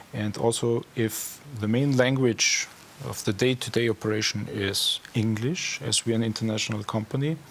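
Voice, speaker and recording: Amid noticeable background noise, a man with a German accent speaks at medium pitch and a moderate pace with fairly even intonation. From Austria, Styria. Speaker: company director. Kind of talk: TV interview. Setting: studio.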